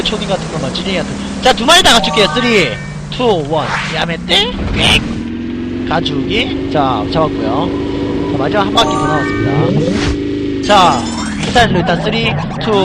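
A man streaming a racing game live, excitably barking orders and curses at his teammates. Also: sits high, poor audio. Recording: loud game music behind voice. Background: racing game music and engine sounds.

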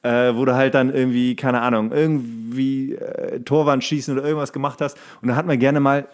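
A man's voice: medium pitch, little pitch movement, a little fast. A man co-hosting a casual comedy podcast, chatting in a rambling, colloquial way with crude jokes. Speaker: podcast co-host.

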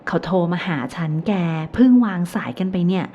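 A woman reading an audiobook voices an excitable best friend who talks loudly and bluntly, full of crude slang and teasing. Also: fairly low pitch, brisk, natural voice. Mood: excited. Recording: slightly dull recording, faint hiss.

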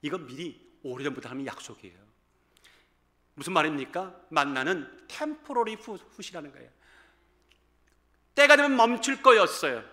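A man in his fifties preaching a sermon to a church congregation, animated, swinging between loud calls and hushed asides. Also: a little high, normal speed, pauses often. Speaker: pastor. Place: church sanctuary.

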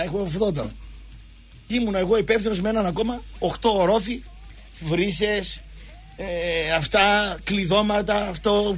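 A man's voice: high voice, husky. A man hosting a sports show, telling casual anecdotes and acting out the dialogue. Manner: animated, acts out dialogue in quotes.

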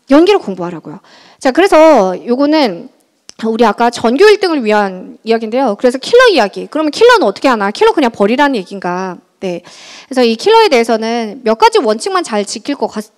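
A woman math teacher giving a lively exam-prep lecture to high school students in a large school auditorium, chatty and often checking in with her listeners. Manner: chatty, keeps checking in with the audience.

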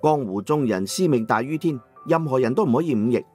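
A man narrating a first-person audiobook novel in a measured storytelling manner, over soft background music. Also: mid-range voice, lively intonation, slightly rough. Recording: dry studio with soft music.

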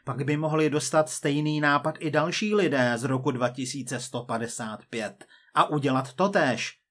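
A man voicing a cold, persistent male agent from the future, measured and quietly menacing. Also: a little high.

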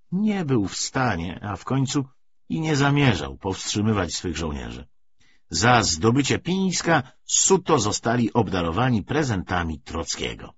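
Expressive male audiobook narrator. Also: slightly rough, highs cut off. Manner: expressive, dramatic reading with wide pitch swings. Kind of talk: audiobook reading of a novel.

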